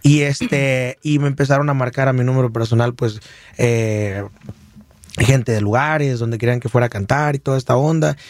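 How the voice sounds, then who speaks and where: A man's voice: mid-range voice, normal speed, no echo. A man with a Michoacán Mexican accent, a singer telling his story in a casual radio interview, rambling with many fillers and restarts. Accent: Michoacán Mexican Spanish. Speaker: singer guest.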